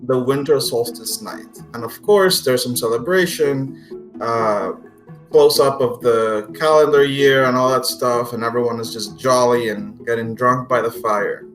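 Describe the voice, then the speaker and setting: Male game master, mid-pitched, unhurried, jokey, casual storytelling with music underneath. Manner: jokey, playful. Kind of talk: casual tabletop game narration. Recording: roomy echo, music behind.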